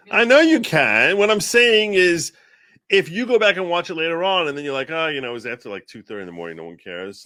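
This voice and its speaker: A man speaks at a very fast pace. The recording is very clean and silent in the background, with a dry, close sound and no echo. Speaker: livestream host. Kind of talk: casual livestream banter.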